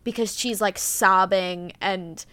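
A young woman talks through a true-crime case on her podcast in a loose, rambling way, leaning on "like" and "um" and reading from her notes. Her voice is mid-pitched and close to the mic. The sound is dry, with no room around it. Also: steady tone, slow, pushed and bright, no room sound. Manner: chatty, full of "like" and "um", reads notes aloud. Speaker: podcast co-host. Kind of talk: casual true-crime chat.

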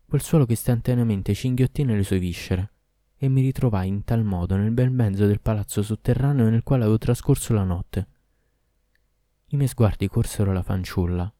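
A man narrating a story as an audiobook, reading in a measured, solemn way. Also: lowish voice, warm tone, dry recording, studio quality.

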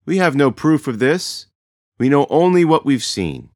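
A man's voice: fairly high pitch, sing-song, measured pace, dry recording, clean studio sound, pitched above the performer's own voice. A man voicing a tribal chief addressing a frightened crowd. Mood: commanding.

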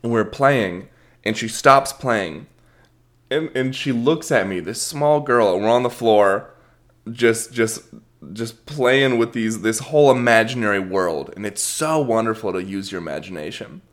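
A man's voice: lowish voice, lively intonation, unhurried. A young adult man hosting a podcast, telling a rambling, self-deprecating story and swearing casually. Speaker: podcast host.

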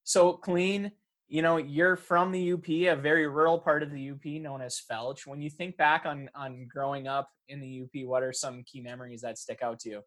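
A man hosting a casual interview podcast, from Michigan's Upper Peninsula, talking in a relaxed, rambling way full of restarts. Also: a little high, moderate pace. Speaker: podcast host.

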